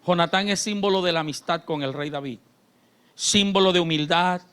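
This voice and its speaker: A man pastor, preaching a sermon in church. His delivery swings between shouted fervor and quiet, confiding talk. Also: high-pitched, normal speed, smooth. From Colombia. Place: church sanctuary.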